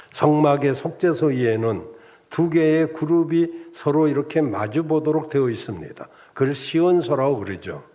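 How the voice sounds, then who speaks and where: A male pastor preaching a Sunday sermon in a measured, enumerating style, often addressing the congregation directly. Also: mid-range voice, warm tone. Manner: measured preaching with enumerated points and rhetorical asides. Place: church sanctuary.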